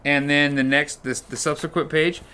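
A man's voice: on the high side, moderate pace, clear, resonant tone. A man co-hosting a church podcast, chatting casually and acting out storybook moments. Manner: animated, acts out storybook voices with shouts. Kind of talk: casual chat.

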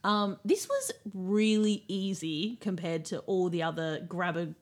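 A woman co-hosting a podcast, giving dry, measured commentary while recapping a reality show. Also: lowish voice, sing-song. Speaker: podcast co-host.

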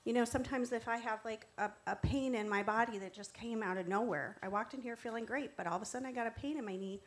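A preacher gives her testimony as a conversational sermon, speaking fast in a fairly high voice. She is earnest and instructive, encouraging her listeners.

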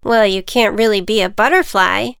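A woman's voice: mid-range voice, moderate pace, vocal fry, a bit bright, smooth, dry recording, clean studio sound. A woman voicing a sassy, pushy little ant who teases and coaxes, in a read-aloud storybook. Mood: needling. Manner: sassy, needling, persuasive.

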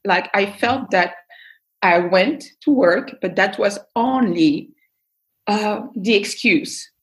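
A woman from Belgium, a guest on an interview podcast, telling her life story in an earnest, thoughtful way with frequent pauses and fillers. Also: medium pitch, low-quality recording. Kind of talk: casual personal storytelling.

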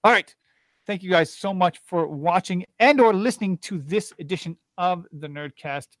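A man hosting a podcast, his voice a little higher than most, upbeat and halting with fillers. The recording is dry, with no room sound. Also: no room sound. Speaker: podcast host. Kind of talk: casual podcast wrap-up.

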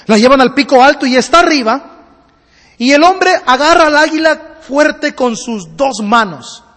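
A man preaching a sermon and telling a parable, using rhythmic repetition that builds slowly, in a church hall. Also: very high voice, lively intonation, pushed and bright. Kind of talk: sermon with storytelling. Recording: long hall reverb.

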